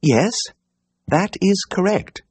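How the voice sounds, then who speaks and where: A man voicing a confident, well-bred young woman who speaks loudly in a posh, clipped way. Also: sits high, big pitch swings, fast talker, no room sound, voice pushed up. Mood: haughty.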